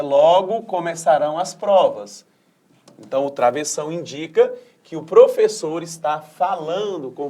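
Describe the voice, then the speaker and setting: A man's voice: fairly high pitch, darkish tone. Brazilian male teacher explaining punctuation. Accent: Brazilian Portuguese. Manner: explanatory, frequent tag questions. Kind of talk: recorded adult-education lesson.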